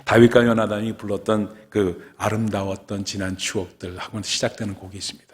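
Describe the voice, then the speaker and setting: Brief: male pastor, low voice, dramatic storytelling sermon, long church reverb. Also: level tone, a little fast. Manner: storytelling, acts out quotes with sudden loud and soft swings. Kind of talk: dawn prayer sermon. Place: church sanctuary.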